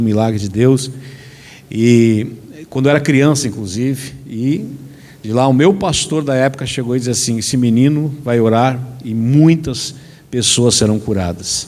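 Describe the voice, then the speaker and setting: Moderate pace and ordinary pitch variation, with noticeable background noise and audible room echo. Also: man. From southern Brazil, Rio Grande do Sul (Passo Fundo). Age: 60s. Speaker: pastor and city council president. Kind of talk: sermon.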